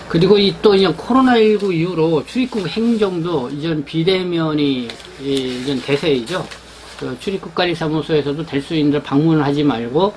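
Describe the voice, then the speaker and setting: A man presenting his newspaper's pages in an unscripted rundown, talking haltingly with many fillers and restarts. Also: on the high side, darkish tone, slight background noise, poor audio. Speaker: newspaper editor presenting the issue.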